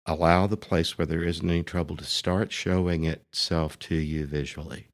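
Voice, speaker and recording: A man speaking as a priest leading a guided meditation, gently and deliberately, pausing between short phrases. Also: low-pitched, little pitch movement.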